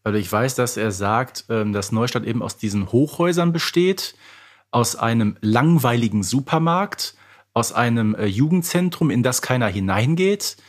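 A man's voice: mid-range voice, expressive, moderate pace. A man co-hosting a podcast in casual conversation. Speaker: podcast co-host. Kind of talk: casual chat.

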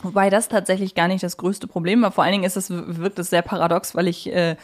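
A woman's voice: fairly low pitch, fairly even intonation, fast talker, slight background noise. Woman chatting casually as podcast co-host. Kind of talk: casual fan discussion.

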